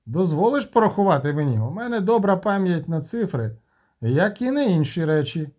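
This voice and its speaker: A man's voice: high-pitched, very animated, normal speed, darkish tone, pitched above the performer's own voice. A man voicing a cheerful, shrewd halfling merchant who counts out figures precisely. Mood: calculating.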